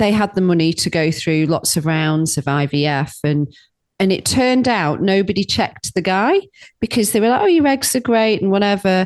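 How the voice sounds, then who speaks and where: In a quiet background, a woman with an English accent speaks at a fairly quick pace and medium pitch with lively intonation. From England. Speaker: podcast host. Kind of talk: interview.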